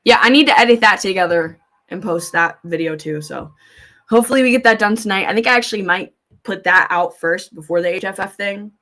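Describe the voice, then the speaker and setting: Speaking briskly in a mid-range, fairly bright voice, this livestream host chats casually and bluntly, cursing without restraint. She rambles, thinks aloud, comments on things, and reads out what viewers write.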